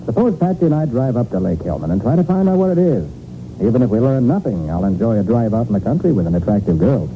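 An actor playing a shrewd, self-assured American private detective, brisk and articulate, in 1940s radio crime drama style. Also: male voice, medium pitch, very animated, lightly acted. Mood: decisive, gallant. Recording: narrow-band 1940s radio with faint noise.

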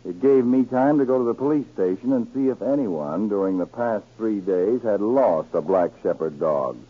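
An actor playing a stern, commanding government counterspy chief in a 1940s radio drama, with clipped, deliberate speech. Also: male voice, on the low side, expressive, slightly rough. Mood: stern, accusing. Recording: scratchy, narrow-band 1940s radio recording.

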